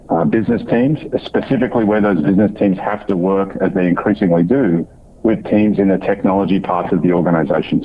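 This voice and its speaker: A man's voice: sits low, slight background noise. A man speaking as a company executive, answering analyst questions off the cuff on an earnings call in corporate language. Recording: tinny band-limited phone conference line.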